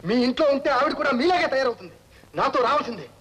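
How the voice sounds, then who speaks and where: An actor playing a proud, angry young husband who speaks defiantly and sermonizes, with a husky voice in old film melodrama style. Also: male voice, very high-pitched, animated, very fast, a bit bright, poor audio.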